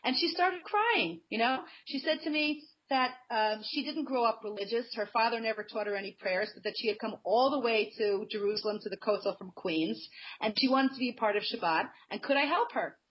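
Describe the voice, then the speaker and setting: A woman's voice: mid-range voice, fairly quick. A woman guest on a radio talk show, talking earnestly and conversationally and telling personal anecdotes. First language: not Hebrew. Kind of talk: radio interview, personal storytelling. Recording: muffled lo-fi radio sound.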